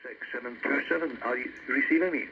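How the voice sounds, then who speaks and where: A man's voice: medium pitch, fast talker. A man with a Scottish accent making casual contact as a CB operator, heard through a radio transmission. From Scotland. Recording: dull, noisy CB radio reception.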